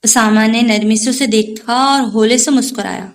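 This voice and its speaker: A woman reading a novel aloud, in a steady, even narration. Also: on the high side. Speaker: novel reader. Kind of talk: audiobook narration of a romance novel.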